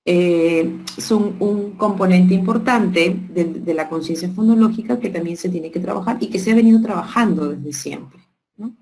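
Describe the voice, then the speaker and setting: A woman's voice: fairly low pitch, moderate pace, warm tone, poor audio. A woman giving an online workshop lecture to teachers, explaining step by step and checking in with rhetorical questions. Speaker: teacher trainer.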